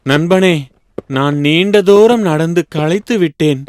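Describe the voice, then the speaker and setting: A gullible cartoon donkey, acted by a man, with a voice pushed up high. He is plaintive and trusting, speaking slowly over background music. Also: a little mellow, a little hiss or hum. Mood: weary whining. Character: naive, trusting male donkey friend. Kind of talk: children's cartoon animal fable.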